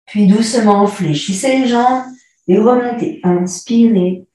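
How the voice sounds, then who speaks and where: A woman yoga teacher guiding a class through postures, calmly cueing breath and movement step by step. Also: medium pitch, measured pace, far from the mic. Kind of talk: guided yoga class instruction. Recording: echoey room, voice from afar.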